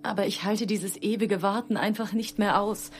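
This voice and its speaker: A woman's voice: medium pitch, steady tone, moderate pace, slight background noise, close to an everyday voice. An actress playing a grieving, exhausted mother in an audio drama, subdued and emotional. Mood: weary, despairing. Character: grieving, exhausted mother of a missing son, Sun Jin. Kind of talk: audio drama acting with first-person narration.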